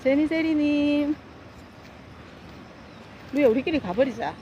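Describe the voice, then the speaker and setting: Out on a walking path beside some stepping stones, a woman live-streams from her phone while walking her dogs, chatting casually and scolding them affectionately. Her voice is high and mellow with lively intonation, and she speaks slowly. The lo-fi audio carries a faint hiss or hum.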